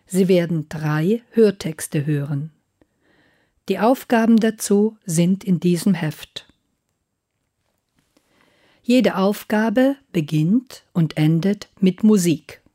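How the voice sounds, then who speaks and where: A woman reads exam instructions very slowly and deliberately. Her low, dark voice stays measured and formal throughout. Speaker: exam announcer. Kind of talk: scripted test instructions.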